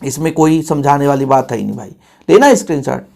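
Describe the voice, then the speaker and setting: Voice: medium pitch, lively intonation, fast talker, gravelly, darkish tone. A teacher giving a casual exam-prep grammar lesson. The teacher talks straight to the students and repeats key points for emphasis.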